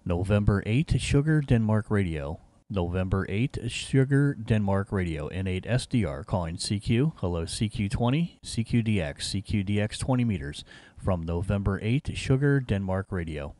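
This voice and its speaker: A man's voice: on the low side, animated, moderate pace, mellow. A man working as an amateur radio operator, giving call signs in phonetic words and making casual contact. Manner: repetitive phonetic call-sign delivery. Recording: faint background radio hiss. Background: faint hiss.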